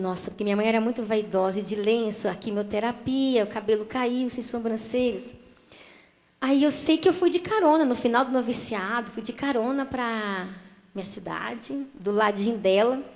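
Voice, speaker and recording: Woman, thirties, Brazilian Portuguese accent, earnest testimony, slightly high voice. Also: a little mellow. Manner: earnest storytelling, acting out quoted dialogue. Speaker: guest giving a testimony. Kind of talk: personal testimony on TV.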